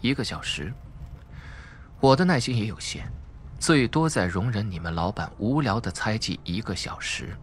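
A man voicing a suave, mocking young businessman in an audiobook, sardonic, smooth in manner and unafraid. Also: on the low side, expressive, normal speed, slight background noise, close to an everyday voice. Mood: cool, threatening. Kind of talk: audiobook character acting.

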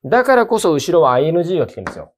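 A man's voice: fairly high pitch, huge pitch swings, rapid-fire, slight background noise. A man teaching an English grammar lesson for university entrance exams, talking in a casual, emphatic, colloquial way. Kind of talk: casual exam-prep lecture.

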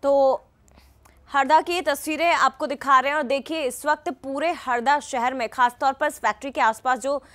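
A woman's voice: high-pitched, fairly even intonation, normal speed, fairly bright tone. A young woman anchoring live television news in a studio, delivering the report with urgent, dramatic emphasis.

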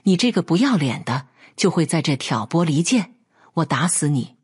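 A woman's voice: low-pitched, very animated, moderate pace, slightly rough, full character voice. A woman playing a selfish old father-in-law. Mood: furious. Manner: harsh, shouting insults.

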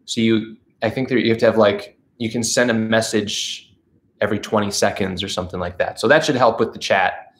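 Sitting indoors in a living room with a couch, a man in his thirties hosts a livestream despite allergy congestion. He talks fairly quickly in a fairly low, fairly even voice, staying chatty and cheerful as he reads viewer messages into a close-up camera.

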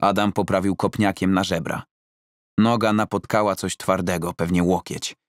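A man reads an audiobook in a very deep voice. His delivery is steady and restrained, with little rise and fall in pitch. The sound is close and completely dry, as in a recording booth. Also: moderate pace, no echo. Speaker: audiobook narrator. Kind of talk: scripted audiobook narration of a crime thriller. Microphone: close studio mic.

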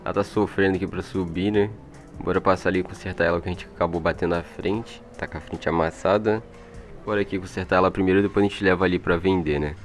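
Male gamer, Brazilian accent, low-pitched, chatty and informal, light music underneath. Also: steady tone, fast. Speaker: gaming video creator. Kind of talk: casual gameplay commentary. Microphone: old microphone. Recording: music behind, old microphone.

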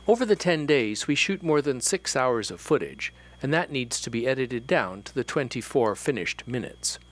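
A man hosting and narrating a sailing series in a scripted documentary style. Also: mid-range voice.

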